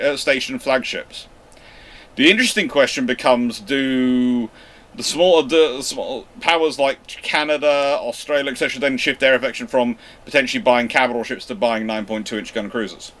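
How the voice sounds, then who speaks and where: Man, ordinary pitch, unscripted live answers, frequent ums. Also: a bit bright. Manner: hesitant, many fillers and restarts. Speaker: naval history channel host. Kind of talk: live Q&A, reading and answering viewer questions.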